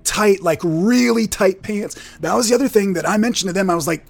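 A man playing an earnest, prudish Christian metal singer with a gravelly voice, rambling and oversharing in an improvised comedy interview. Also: high voice, a little fast. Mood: wounded, indignant. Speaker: comedy podcast guest in character.

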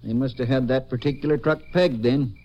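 An actor plays a plainspoken, helpful county sheriff in a vintage radio western. He has a medium-pitched American voice and a folksy way of talking. The sound is dull, like an old broadcast. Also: steady tone, a little fast, lightly acted. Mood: earnest, helpful. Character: plainspoken, cooperative small-town Texas sheriff. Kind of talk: 1950s radio western acting. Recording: muffled old radio recording.

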